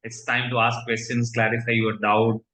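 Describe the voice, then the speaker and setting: A man moderates a session in a formal style. His voice sits at a medium pitch, and the recording has a noticeable room echo. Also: flat delivery, normal speed, bright, forceful tone. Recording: echoey, roomy pickup.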